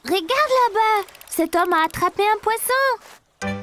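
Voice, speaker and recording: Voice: extremely high pitch, lively intonation, slow pace, pushed and bright, soft background music, heavily acted. A performer voicing an eager, curious little preschool boy in a French children's cartoon, earnest and full of questions.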